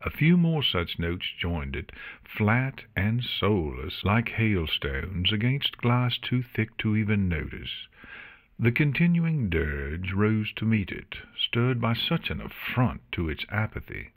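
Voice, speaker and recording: A man reading fantasy fiction as an audiobook narrator in an expressive, scripted storytelling style. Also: lowish voice, slow.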